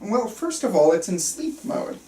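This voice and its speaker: A woman's voice: mid-range voice, very animated, unhurried, mellow. A woman playing an earnest, controlling male psychiatrist at a script table read, stumbling slightly and speaking clinically and insistently. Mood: calm, clinical. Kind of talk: table reading of a film script. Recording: roomy, distant mic, faint room noise.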